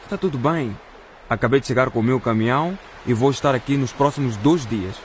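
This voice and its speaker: Man acting kind male trucker, reassuring, radio drama, middle pitch, slight vehicle noise. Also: fairly quick, close to an everyday voice.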